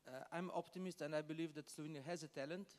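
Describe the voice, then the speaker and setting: A man's voice: a little high, fairly even intonation, fast. A man speaking as a business panelist, hesitant, with many fillers and non-native phrasing. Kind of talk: panel discussion answers.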